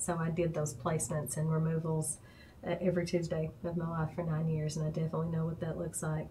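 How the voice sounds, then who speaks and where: A woman talks very fast in an Appalachian accent, with a very deep, low pitch. Her intonation is monotone and flat, with light background noise. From eastern Kentucky. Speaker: state legislator; guest. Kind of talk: interview. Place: studio.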